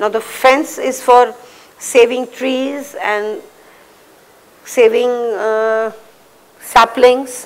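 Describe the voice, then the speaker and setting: A woman's voice with noticeable background noise. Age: 60s. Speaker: sculptor. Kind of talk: lecture.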